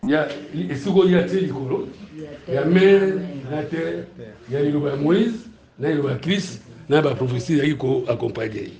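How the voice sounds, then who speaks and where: A man with a Congolese French accent preaching a sermon, teaching in lively bursts and often asking his congregation whether it is clear. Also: on the high side, moderate pace. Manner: animated, asks the room if it is clear, laughs between points. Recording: roomy, echoey hall.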